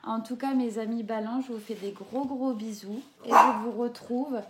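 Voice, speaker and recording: A woman's voice: a little high, steady tone, normal speed, fairly bright tone. A French woman doing an oracle card reading, reading the card texts aloud and adding hesitant comments with many fillers. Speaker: tarot and oracle card reader.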